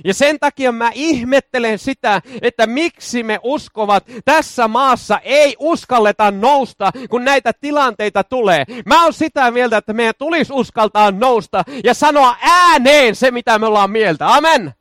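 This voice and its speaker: A man preaching a charismatic sermon, exuberant, often shouting hallelujah and joking in folksy asides. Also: extremely high pitch, hardly any pauses, dry recording, clean studio sound.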